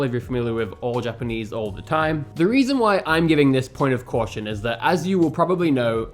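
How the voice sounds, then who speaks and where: A man in his thirties talks to camera at home, giving earnest, casual language-learning advice and gesturing a lot with his hands. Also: mid-range voice. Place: bedroom at home, indoors.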